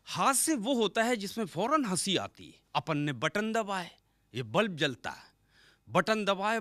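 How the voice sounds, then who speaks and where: A man performs stand-up comedy in a flavour, his fairly high voice leaping around in pitch. He acts out each character and stretches verse lines into a sing-song chant. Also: no room sound, clean studio sound. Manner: animated, acts out quoted characters with sudden pitch jumps. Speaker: stand-up comic poet. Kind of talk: stage comedy storytelling.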